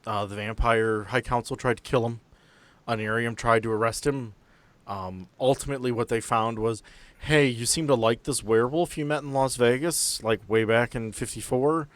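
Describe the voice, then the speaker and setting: A man's voice: mid-range voice, normal speed, no room sound. A man hosting a tabletop game podcast as game master, chatting informally and bantering with friends. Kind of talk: casual group chat and introductions.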